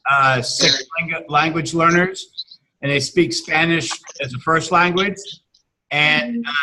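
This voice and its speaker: A man, a teacher chatting casually and haltingly with many restarts and fillers. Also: a little high, sharp tone, poor audio. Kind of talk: casual video-call chat.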